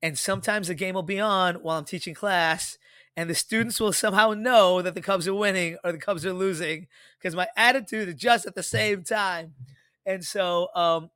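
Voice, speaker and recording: A middle-aged man chatting on a podcast, with a bright, forceful, fairly high voice. He tells stories with energy and acts out the lines of the people in them. The recording is close and dry. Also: normal speed, no room sound. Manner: animated storyteller, acts out quoted dialogue. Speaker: podcast co-host. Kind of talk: casual podcast chat.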